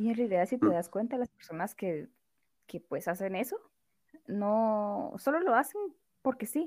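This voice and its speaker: Pausing long and often, a woman with a fairly high pitch talks at a fairly slow pace in an animated tone with lively intonation. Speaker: singer-songwriter and law student. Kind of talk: casual interview chat. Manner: animated, laughing.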